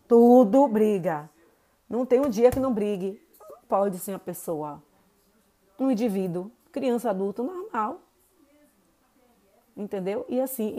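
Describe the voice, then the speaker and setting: A woman's voice: medium pitch, dark tone. A woman in her forties from Salvador with a Bahian Portuguese accent, hosting a casual monologue podcast and chatting straight to her listeners. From Brazil. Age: 40s. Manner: chatty, keeps addressing listeners with "gente" and "né". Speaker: podcast host.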